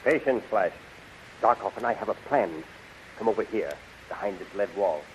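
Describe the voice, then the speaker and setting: An actor playing a serious, steady nobleman ally in a 1930s radio adventure serial, on a muffled recording with hiss. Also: lowish voice, moderate pace. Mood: urgent, hushed.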